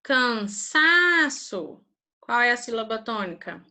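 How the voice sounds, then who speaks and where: A woman's voice: fairly high pitch, unhurried, bright, forceful tone. A woman teaching a primary school class on a video call, patiently drilling grammar terms with her students.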